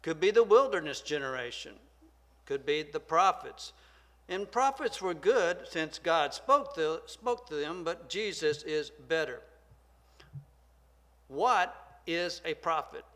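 An older man with a Southern American accent teaching a church Bible class at a lectern, soft-spoken, measured and deliberate. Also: a little high, animated, in a large hall. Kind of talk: Bible study lecture. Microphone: lectern microphone.

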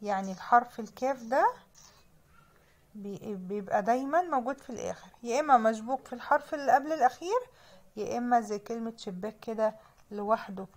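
A woman's voice: fairly high pitch, fast talker. Patient woman teacher sounding out letters. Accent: Egyptian Arabic. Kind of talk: children's reading lesson.

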